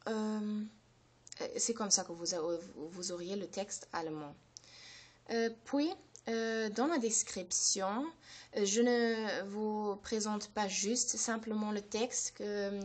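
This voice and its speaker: German-native woman hosting a language channel, halting French with many fillers and restarts, slows down to stress key words. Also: mid-range voice, a little mellow. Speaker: language-learning channel host. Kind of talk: unscripted explanation to camera.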